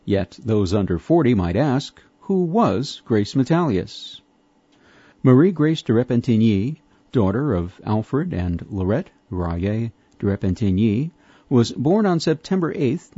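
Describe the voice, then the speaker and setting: Man, mellow husky voice, measured formal reading, scripted narration, dry lo-fi recording. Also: mid-range voice, no room sound. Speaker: reader of a magazine article. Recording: dull lo-fi recording.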